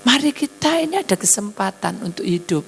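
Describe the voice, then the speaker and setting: Brief: woman pastor, vocal fry, sermon with acted dialogue, faint hiss behind. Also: very animated, a little fast, low-quality recording. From Indonesia. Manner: acts out dialogue in shifting voices, high crying wails.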